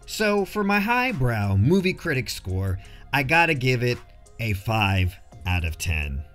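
A man's voice: mid-range voice, very animated, measured pace, fairly bright tone, soft background music. A man narrating a casual scripted film review in a jokey, slangy way.

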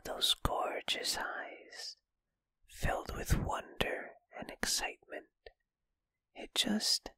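A performer plays a bashful, friendly ghost in a whispered ASMR roleplay. The delivery is very slow, breathy and tender, with hesitant, intimate phrasing. It is recorded close and dry. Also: medium pitch, fairly bright tone, dry recording. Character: shy, gentle, lovestruck friendly ghost. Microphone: close microphone, dry.

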